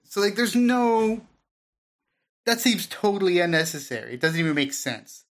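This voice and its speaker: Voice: mid-range voice, very animated, normal speed. A podcast co-host chatting casually in a blunt, opinionated way. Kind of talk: casual chat.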